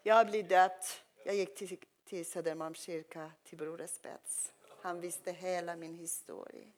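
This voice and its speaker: A woman's voice: fairly low pitch, level tone, darkish tone. Woman telling her story in learner Swedish. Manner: earnest, emotional storytelling in simple learner Swedish. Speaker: testimony speaker. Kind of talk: personal testimony.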